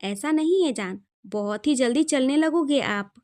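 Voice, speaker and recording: A woman's voice: sits high, lively intonation, a little slow, a little mellow. A woman voicing a loving, protective young husband who speaks tenderly but scolds firmly in a storybook reading.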